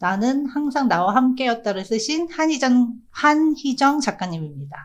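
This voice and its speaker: At a fairly slow pace, a woman with a fairly high pitch speaks with very wide pitch swings. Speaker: writing class instructor and book talk host. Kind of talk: scripted introduction; casual interview chat. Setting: remote call. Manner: stumbles when reading aloud.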